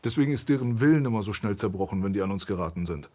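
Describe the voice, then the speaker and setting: A man's voice: lowish voice, lively intonation, very fast, a little mellow. A man from Berlin, a guest in a candid conversation, telling his story in a blunt, intense way. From Berlin, Germany.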